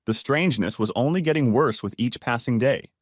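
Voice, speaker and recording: A man narrating an audiobook story in a steady storytelling manner. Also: medium pitch, fairly quick, dry recording, studio quality.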